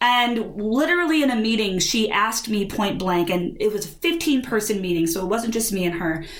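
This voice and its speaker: With an American accent, a woman talks at a fairly quick pace in a fairly high pitch, her voice making very wide pitch swings amid audible room echo. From New Jersey. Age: 20s. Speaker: STEM instructional coach. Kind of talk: interview conversation.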